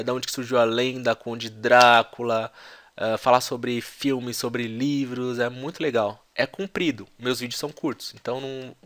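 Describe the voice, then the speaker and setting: Brief: male English teacher, mid-pitched voice, casual, slow repeats of phrases. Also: fairly bright tone. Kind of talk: language lesson vlog.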